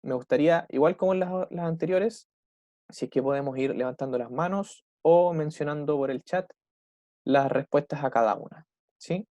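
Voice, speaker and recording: A man with a Chilean Spanish accent teaching an online English class, patiently repeating example sentences slowly and checking in with short tag questions. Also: a little high, dark tone, no room sound.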